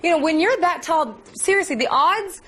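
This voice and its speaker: A woman co-hosts a television show in a high, bright voice. She introduces segments and teases her partner in chatty banter. A steady studio noise sits behind her. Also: normal speed. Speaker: TV show co-host.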